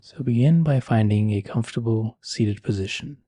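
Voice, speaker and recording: A man leading a guided meditation in a soothing, measured and gentle manner. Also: mid-range voice, no room sound.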